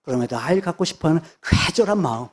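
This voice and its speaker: A man's voice: on the high side, lively intonation, racing, slightly rough. A man, a pastor, preaching a sermon with emphatic repetition of phrases. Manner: emphatic, repeats phrases for stress.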